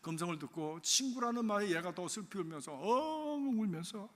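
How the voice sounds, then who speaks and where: A man pastor telling a story in a sermon, with emotive swings in loudness. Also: high voice, fast talker, long reverb tail. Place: church sanctuary.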